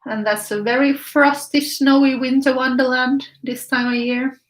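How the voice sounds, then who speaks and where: A woman's voice: sits high, little pitch movement, moderate pace. A woman, teaching a casual live painting class, thinking aloud in short phrases as she works and chatting with viewers. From Finland. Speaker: art teacher.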